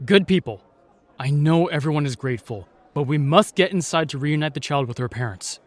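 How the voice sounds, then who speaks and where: A man's voice: fairly high pitch, expressive, brisk. A man playing a protective, exasperated knight in a fantasy audio roleplay, speaking formally and earnestly. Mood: commanding. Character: protective, exasperated young male knight guarding a lady.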